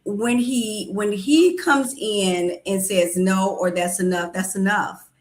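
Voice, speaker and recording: Female podcast host, supportive, steady listener who affirms a lot. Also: medium pitch, slow pace. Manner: affirming with frequent mm-hmms. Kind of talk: interview podcast.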